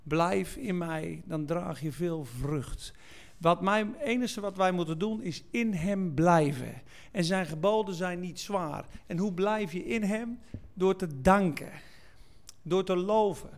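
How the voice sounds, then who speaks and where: Slow, gravelly high-voiced preacher. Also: male voice. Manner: slow, emphatic delivery, swelling to shouts and sung lines. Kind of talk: sermon.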